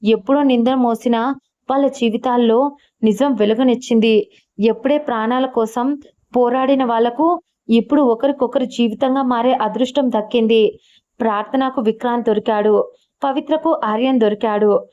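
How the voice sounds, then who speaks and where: A woman narrating a love story in a steady, even reading style. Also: on the high side, normal speed, muffled recording.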